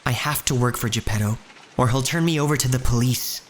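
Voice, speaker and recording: An actor playing an earnest, uneasy young shop boy, narrating his own story in a measured, literary way. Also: medium pitch, slight background noise, natural voice. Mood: weary, plain. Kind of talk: first-person scripted narration in audio drama.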